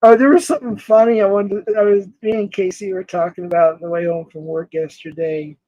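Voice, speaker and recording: A man's voice: sits high, fairly even intonation, fairly quick, dark tone, no echo, lo-fi sound. A man in his forties hosting a casual livestream, rambling, laughing often and greeting chat viewers by name. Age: 40s. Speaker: livestream host.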